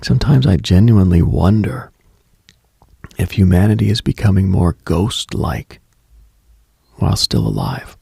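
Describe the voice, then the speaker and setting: A man with a very low, heavily husky voice delivers a contemplative late night radio monologue. He is hushed and brooding, leaving long deliberate pauses. The sound is close and very dry. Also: expressive, no echo. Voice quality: husky, gravelly.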